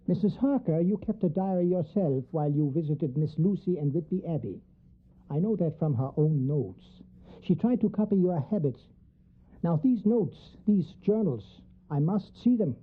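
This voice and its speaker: A woman playing a grave, commanding professor who hunts vampires, speaking formally and deliberately in a radio drama. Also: lowish voice, lively intonation, breathy edge. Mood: urgent, commanding. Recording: tinny, narrow band like phone line.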